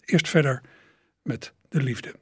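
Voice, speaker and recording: A man presenting a music radio show, introducing songs in a musing way and pausing on hesitant fillers. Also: medium pitch. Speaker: radio host.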